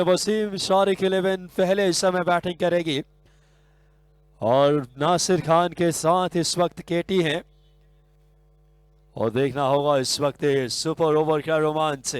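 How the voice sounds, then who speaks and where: Hindi accent guy calling a cricket match live, gets really hyped on big hits, smooth clear voice. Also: on the high side, no room sound. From India. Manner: excitable, rising sharply on big shots. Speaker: cricket commentator. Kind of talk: live sports commentary.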